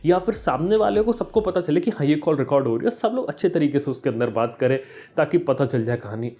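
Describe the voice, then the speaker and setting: This man's voice is a little high, expressive, and warm, moving at a quick pace. As a tech YouTube host, he chats directly to his audience in an explainer vlog, mixing English terms into his commentary.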